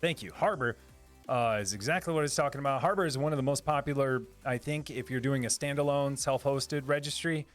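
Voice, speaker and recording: A man hosting a live stream and answering chat in a rambling, upbeat way, with lots of fillers and restarts. His voice is a little lower than usual today. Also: fairly quick, soft background music.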